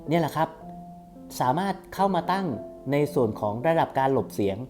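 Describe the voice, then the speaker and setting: Man, mid-to-low voice, brisk pace, mellow timbre, casual instructional delivery, step-by-step. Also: sing-song, faint music behind. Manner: instructional, repeats steps, polite particles. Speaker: tutorial host for screen reader users. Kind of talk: casual step-by-step spoken tutorial.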